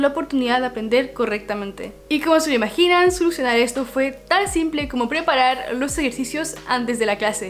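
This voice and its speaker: Noticeable background noise accompanies a woman speaking in a high pitch. She talks at a moderate pace with ordinary pitch variation. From Chile. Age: young. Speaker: university physics student. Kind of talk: casual talk to camera.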